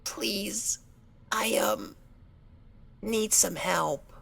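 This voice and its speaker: A woman gives a heavily acted performance as a timid, hurt young female pony in a dramatized fan fiction reading. Her medium-pitched voice is gravelly, fairly bright, and slightly rough, drawing out words in meek, anxious pleas.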